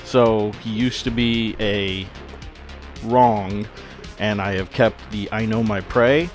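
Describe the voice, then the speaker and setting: A man's voice: on the low side, fairly even intonation, slow, faint music behind. A man chatting casually as a player in a tabletop role-playing game.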